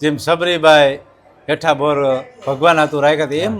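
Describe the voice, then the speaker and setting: A man talks in an unremarkable speaking voice, fairly high in pitch. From Gujarat, Saurashtra (Porbandar area). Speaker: temple priest. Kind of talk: storytelling of religious history.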